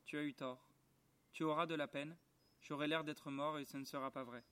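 A man reading aloud and speaking the lines of a gentle, earnest little boy prince in a soft, quiet voice close to his own, outdoors in a garden. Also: fairly high pitch, fairly even intonation, normal speed, clear, resonant tone, close to an everyday voice. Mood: tender, sad.

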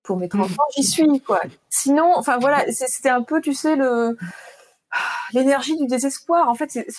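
A woman's voice: high-pitched, normal speed, darkish tone. A woman in her thirties, an author being interviewed, talking in a thoughtful, searching way with frequent restarts, and reading a passage from her book. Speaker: author guest.

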